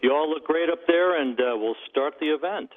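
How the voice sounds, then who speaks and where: A man's voice: fairly high pitch, a little fast. A man hosting a ceremony, speaking over a space radio link in formal, procedural radio talk. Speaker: event host calling the station. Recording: tinny radio line with faint hiss.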